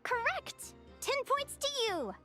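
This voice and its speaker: Perky, very high-pitched young advisor. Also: female voice, huge pitch swings, slow, pushed and bright, faint music behind, full character voice. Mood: bright, encouraging. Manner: perky, instructive. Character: young cheerful female adventure advisor, eager teacher. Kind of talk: anime game voice acting.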